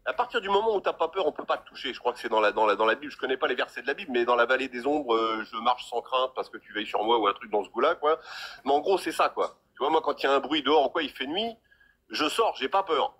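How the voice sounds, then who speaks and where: A man's voice: medium pitch, fast talker, a bit bright, husky. A man in his fifties calling in to a live talk stream, rambling and often stammering and repeating words as he speaks. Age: 50s.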